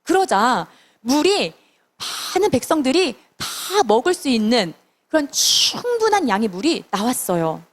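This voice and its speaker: A woman's voice: high voice, big pitch swings, unhurried. A Sunday school teacher, a woman, telling a Bible story to children and asking them questions as she goes. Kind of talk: children's sermon.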